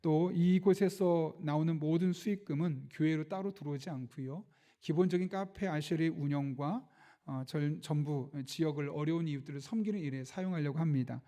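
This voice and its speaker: A man's voice: a little high, normal speed, mellow. A middle-aged man, a pastor, giving church announcements, praying and preaching a sermon, acting out the lines he quotes. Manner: storytelling, acts out quoted speech.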